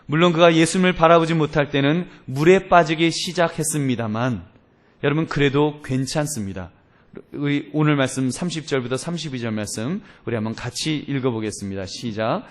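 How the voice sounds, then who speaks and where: A man's voice: on the high side, a little fast. A male pastor preaching a sermon, addressing the congregation directly and acting out the voices in his stories. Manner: animated storytelling, acting out voices in quotes.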